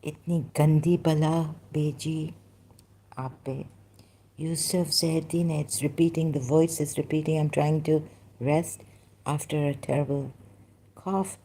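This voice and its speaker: This is a personal monologue by a vlogger resting at home, a woman whose first language is Khoja Sindhi. She speaks low, slow, and soft with a steady tone, halting often and drifting between thoughts.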